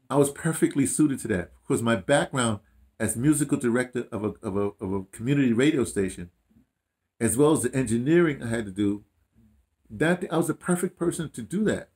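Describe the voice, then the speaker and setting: An older man in his 60s or 70s, an audio dramatist, reminisces casually about his life while sitting in a small room at home. He tells it with animation, repeating himself and quoting his own words, in a mid-range voice.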